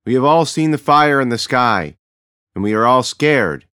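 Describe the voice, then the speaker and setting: A man's voice: medium pitch, expressive, normal speed, pushed and bright, clear, resonant tone, no echo, clean studio sound, pitched above the performer's own voice. A man voicing a tribal chief addressing a frightened crowd. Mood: commanding.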